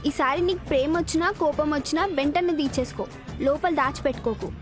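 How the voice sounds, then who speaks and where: A woman with a high voice plays a coworker who teases her friend in a comedy sketch. She talks casually and gives him advice. Faint music plays underneath. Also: fast talker. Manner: teasing, then giving advice.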